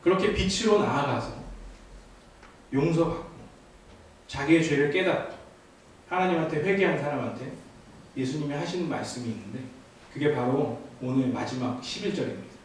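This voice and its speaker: A man's voice: a little high, moderate pace, pauses often, slight background noise. A man in his thirties preaching a youth sermon, telling a family story with asides to the congregation. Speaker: youth ministry pastor. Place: church sanctuary. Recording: echoey church from far off.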